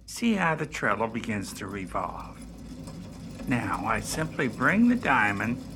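An actor playing a courteous, stammering jeweler in a radio play, hesitant and formal with a raspy voice. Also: male voice, on the low side, big pitch swings, unhurried, background noise, heavily acted. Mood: obliging. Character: flustered, eager male jeweler, courteous and self-assured.

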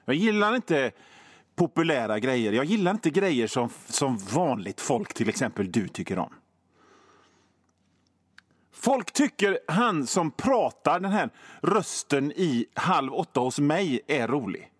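A man's voice: fairly high pitch, big pitch swings, breathy edge, no echo. A male radio host delivering a comedic monologue in a sardonic, mock-grumpy ranting manner into a studio microphone.

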